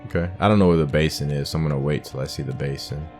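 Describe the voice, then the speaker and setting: Male gaming host, extremely deep voice, casual and musing, faint music behind. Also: steady tone, racing, darkish tone. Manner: rambling, musing. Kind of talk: casual playthrough commentary. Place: game commentary with game music behind.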